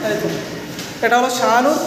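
উঁচু গলার তরুণ ভ্লগার, প্রতিধ্বনিময় ঘর. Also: male voice, extremely high pitch, fairly quick. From India. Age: young adult. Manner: chatty, repeats himself, urges viewers to keep watching. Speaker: vlogger. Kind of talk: casual vlog narration. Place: echoey school gym room, indoors. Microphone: phone camera held at arm's length. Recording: echoey room with noise.

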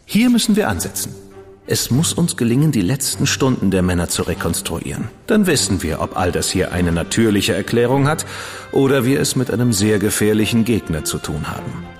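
Ironic dandy gentleman, lively voice, roomy reverb. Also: on the low side, a little fast, faint music behind. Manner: ironic, playful. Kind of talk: German audio drama acting.

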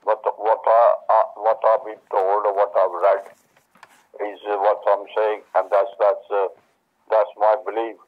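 A man whose first language is Urdu, speaking haltingly on a phone call, repeating words and filling pauses. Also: lowish voice, flat delivery. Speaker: mosque representative on a phone call. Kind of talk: hesitant phone conversation. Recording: tinny phone line.

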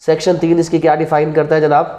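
A Pakistani law teacher's slightly high, dark-toned voice runs monotone and fast as he lectures indoors in front of a classroom whiteboard, using both Urdu and English terms. He keeps asking rhetorical questions he then answers, and he repeats key points and important terms for his students.

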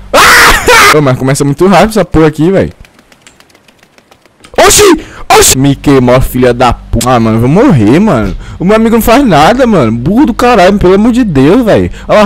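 Excitable, swearing gamer guy. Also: fairly high pitch, a little hiss or hum. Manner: swears a lot, yells and shrieks when caught. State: sore throat. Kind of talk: casual let's-play commentary.

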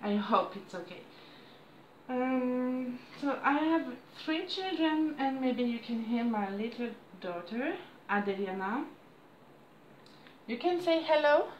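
A woman in her thirties with a French accent, chatting to camera at home in halting English, losing her voice. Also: sits high, expressive, echoey room, dull audio, slight background noise. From France. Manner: halting non-native English with frequent restarts and apologies. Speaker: crafts vlogger. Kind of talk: casual chat to camera. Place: small room indoors at home. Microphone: camera on a desk close by.

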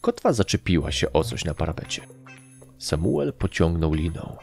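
A man with a Polish accent narrating a first-person audiobook story, lively, and raising his voice for the characters' dialogue. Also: extremely low pitch, moderate pace, creaky, soft background music. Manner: animated, voicing characters with raised shouts.

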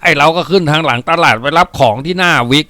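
A man's voice: fairly high pitch, fast talker, bright, forceful tone, dry recording, pitched above the performer's own voice. A man voicing a talkative hired boatman who rambles defensively through his explanation, as part of an audiobook reading.

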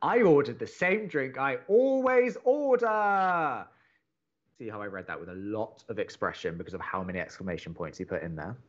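A man plays an earnest young college radio co-host in an audio romantic comedy. His pitch moves around a lot as he hesitates and stammers reassurances. The sound is slightly dull. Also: animated, moderate pace, close to an everyday voice. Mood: anxious, reassuring. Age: young adult. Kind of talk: naturalistic romantic comedy podcast acting.

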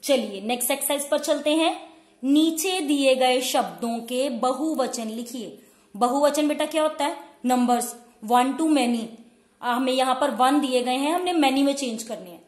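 A woman teaching a slow, patient Hindi grammar lesson to young children from home, spelling out letters and answering her own questions. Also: high voice. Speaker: primary school teacher. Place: room at home. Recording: echoey room with faint noise.

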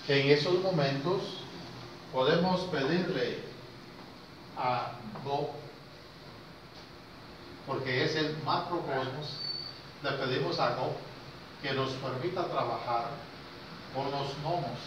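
A Costa Rican man with a fairly high voice gives an informal, unhurried lecture to a small class, pausing between short phrases and putting questions to his listeners. He's in a small classroom with a whiteboard. A handheld camera a few metres off captures him, so the audio is very echoey, noisy and muffled.

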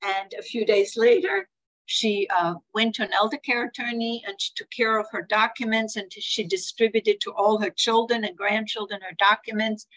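A woman's voice: medium pitch, normal speed, fairly bright tone, poor audio. Older Swiss-accented woman telling stories. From Switzerland. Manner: earnest, storytelling, acts out quoted family voices. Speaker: hospice speaker on care planning. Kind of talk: webinar talk with anecdotes. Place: home room, indoors. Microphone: video call.

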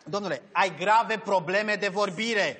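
A man's voice: high-pitched, a bit bright, big-room sound. A man playing a speech therapist in a comedy sketch, exasperated and over-articulating every sound.

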